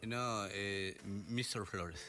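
A man's voice: fairly low pitch, extremely slow, pushed and bright, soft background music. A middle-aged man with a Rioplatense Spanish accent, telling wry stories on a radio show. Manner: easygoing, storytelling, wry. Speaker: radio co-host. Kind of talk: casual radio chat.

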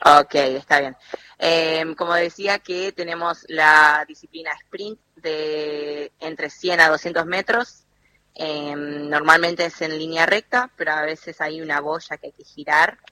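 A woman from the United States, an athlete answering calmly in a phone interview. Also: low-pitched, a little hiss or hum, rough recording. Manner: calm, unhurried, pauses with fillers. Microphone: phone call.

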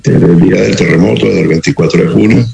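This is a middle-aged Venezuelan man with a deep, gravelly voice, full of vocal fry. He speaks slowly and gravely, pausing often and choosing his words as a guest on a radio interview. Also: warm tone, muffled recording. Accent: Venezuelan Spanish. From Caracas, Venezuela. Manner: slow, halting, grave. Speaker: interview guest, security operative.

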